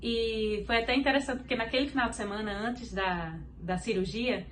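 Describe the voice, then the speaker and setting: Brazilian woman guest on a podcast, earnest testimony, voice on the higher side, acts out the people in her story. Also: moderate pace, noisy background. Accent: Brazilian Portuguese. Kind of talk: personal faith testimony.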